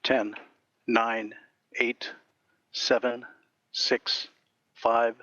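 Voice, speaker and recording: A man's voice: mid-range voice, very slow. A man giving terse launch director callouts over a mission control comms loop, clipped and procedural. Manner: flat, clipped procedural delivery. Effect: dull mission control comms loop audio. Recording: dull, dry comms channel.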